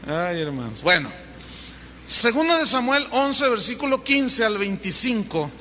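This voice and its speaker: High, bright-voiced Mexican pastor preaching. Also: male voice, unhurried, a little hiss or hum. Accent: Mexican Spanish. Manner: animated storytelling, acting out dialogue. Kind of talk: sermon. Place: church hall. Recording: long reverb of a large hall.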